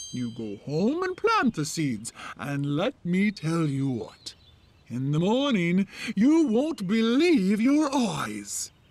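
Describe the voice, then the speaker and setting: Fairly slow delivery in a cartoonish character voice. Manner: warm, confiding.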